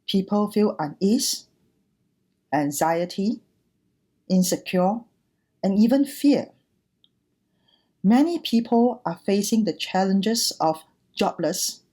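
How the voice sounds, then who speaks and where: Slow, mellow woman giving a dharma talk. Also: medium pitch. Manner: measured, deliberate phrasing. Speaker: Buddhist nun and temple director giving a dharma talk. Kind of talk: prepared dharma talk addressed to viewers.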